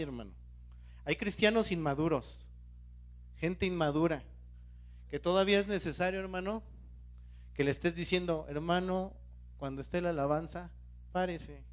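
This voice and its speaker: A man preaching a sermon as a lay preacher, who questions his congregation and keeps calling out to them. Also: fairly high pitch. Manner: questions the congregation and urges them to stay alert.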